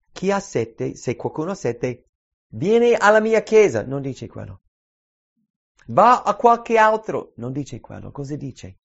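Man, preacher, emphatic sermon, gravelly, dull lo-fi recording. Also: on the high side, warm tone. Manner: emphatic, rising and falling delivery, slows on key phrases. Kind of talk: sermon with Bible reading.

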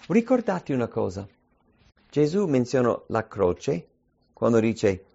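A male preacher delivers a sermon at a middle pitch and presses his points with rhetorical questions. The recording sounds dull and lo-fi. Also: big pitch swings, takes it slowly, vocal fry, mellow. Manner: emphatic, asks many rhetorical questions.

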